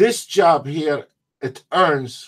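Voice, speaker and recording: A man is speaking. His pitch is fairly high. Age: 60s. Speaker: trading system vendor and live trading streamer. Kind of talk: live trading webinar. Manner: animated.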